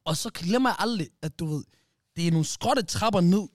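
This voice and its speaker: Male podcast host, lively storyteller, slangy, dry close mic. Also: sits high, no room sound. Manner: animated storyteller, many restarts, slang like "bro" and "wallah". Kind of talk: casual storytelling chat.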